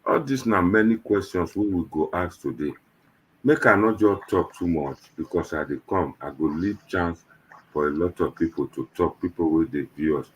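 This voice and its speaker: A man's voice: sits low, moderate pace, slight background noise, low-quality recording. A man with a Nigerian accent hosting an online panel show in Nigerian Pidgin, talking to viewers in a casual, rambling, conversational way.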